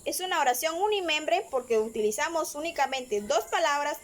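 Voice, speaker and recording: A woman's voice: sits high, lively intonation. A woman teaching a grammar lesson, explaining patiently step by step and often checking in with her listeners. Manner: frequent filler pauses.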